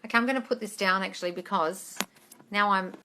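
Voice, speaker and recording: A woman's voice: mid-range voice, brisk, sharp tone, a little hiss or hum, poor audio. A woman in her forties hosting a casual live question-and-answer chat, talking informally and addressing her listeners with endearments. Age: 40s. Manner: chatty, informal, calls listeners darling and guys. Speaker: manifestation coach hosting a live Q&A. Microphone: phone, close up.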